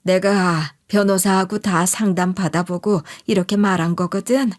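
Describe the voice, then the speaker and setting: A woman's voice: fairly low pitch, fairly even intonation, moderate pace, natural voice. A woman playing a stern older mother-in-law in an audio story, speaking in a firm, commanding, scornful way. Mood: cold, firm.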